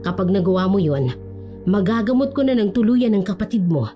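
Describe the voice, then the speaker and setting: A woman voicing an older village healer woman who gives calm, serious instructions. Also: mid-range voice, brisk, highs cut off, soft background music, lightly acted. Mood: grave. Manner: grave, instructing.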